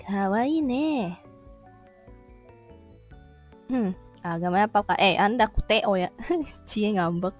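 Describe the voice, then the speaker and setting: Over soft background music, a woman live streamer chats casually with her viewers and reads their comments. Her mid-range voice moves at a moderate pace as she plays and teases, laughing often and letting out little roars.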